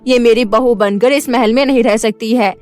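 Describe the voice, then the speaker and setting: A woman's voice: a little high, steady tone, normal speed, darkish tone, natural voice. A woman voicing an angry, haughty middle-aged queen and mother-in-law in a cartoon story, scolding and emphatic. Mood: stern, domineering. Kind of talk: Hindi cartoon story dubbing. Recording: music bed behind the voice.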